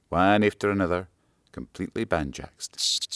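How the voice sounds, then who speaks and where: The recording is very clean, with a silent background and a dry, close sound with no echo. A man speaks at a fairly low pitch in a Scottish accent. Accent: Scots. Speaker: storyteller. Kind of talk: children's story narration.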